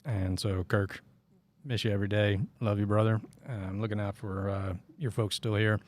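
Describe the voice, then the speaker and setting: A man's voice: lowish voice, little pitch movement, moderate pace. A middle-aged man from Northeast Arkansas, hosting a casual podcast and telling rambling, sarcastic stories. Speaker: podcast host.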